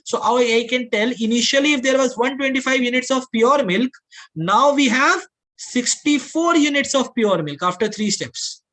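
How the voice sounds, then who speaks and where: A man's voice: very high-pitched, normal speed, fairly bright tone. A man with a South Asian accent teaching a class step by step, repeating points, mixing English with Hindi and often checking understanding with questions. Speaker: aptitude teacher. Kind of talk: classroom lesson, explaining step by step.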